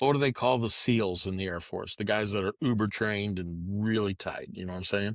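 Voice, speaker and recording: With an American accent and a normal speaking voice, a man talks at a moderate pace with hardly any pauses, fairly low pitch and ordinary pitch variation, on a very clean recording with a silent background. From United States. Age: 60s. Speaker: podcast co-host. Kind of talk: casual chat.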